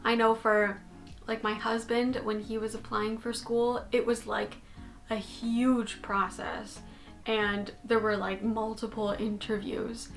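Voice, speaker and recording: Taking it slowly in a slightly high voice, a chatty young woman from Canada vlogs in her bedroom with faint music behind. She stays animated and gestures with her hands, filmed talking-head style by a fixed camera at desk distance.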